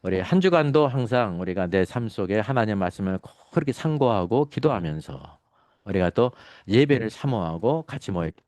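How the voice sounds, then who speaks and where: A man's voice: on the low side, expressive, moderate pace, no echo. A man teaching a Bible study as pastor, asking his listeners questions and answering them himself. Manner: drops to a soft, quiet tone when greeting members. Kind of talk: Bible lecture to a congregation.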